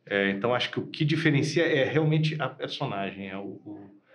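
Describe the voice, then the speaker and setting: A man answering an interview question about a film, thoughtful and halting with frequent fillers. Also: medium pitch, lively intonation.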